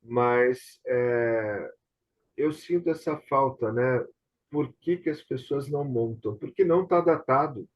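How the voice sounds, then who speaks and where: Hosting an informal online video chat about theatre and television, a Brazilian man speaks slowly at a medium pitch, hesitating and often seeking confirmation. The audio has its highs cut off.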